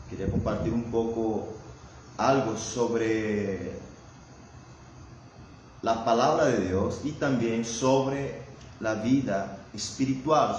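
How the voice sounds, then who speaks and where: A man's voice: medium pitch, darkish tone, highs cut off. A man preaching a sermon who keeps adding amén and invocations of Jesus, and often stalls and repeats words while he searches for them. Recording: very echoey room with faint background noise.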